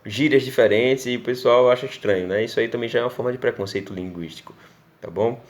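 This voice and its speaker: A man's voice: medium pitch, fast talker. Male teacher, Pernambuco accent, recorded lesson, explanatory, checks in with students. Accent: Pernambuco Brazilian Portuguese. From Northeast Brazil. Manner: explanatory, checks in often with "né?" and "tá bom?".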